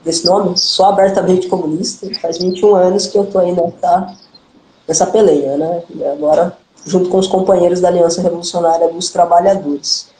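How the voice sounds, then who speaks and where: A woman from the interior of São Paulo state with a caipira accent, a political activist speaking as a guest in a live stream conversation, outspoken and animated. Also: fairly low pitch, normal speed, reverberant, a little hiss or hum, low-quality recording. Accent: São Paulo countryside (caipira) Brazilian Portuguese. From interior of São Paulo state, Brazil. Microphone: live stream call.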